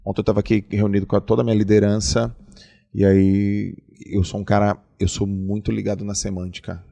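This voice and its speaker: A middle-aged man hosting a podcast, talking in an emphatic, animated, conversational way. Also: fairly low pitch, fairly quick, vocal fry. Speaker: podcast host. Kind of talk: casual conversation.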